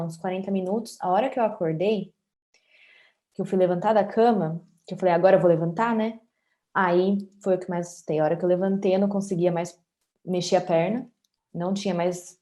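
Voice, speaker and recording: A woman's voice: lowish voice, mellow. A woman in her late twenties with a Brazilian Portuguese accent, telling her own story candidly and conversationally as an interview guest. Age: 20s. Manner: candid, conversational, often adds tag questions.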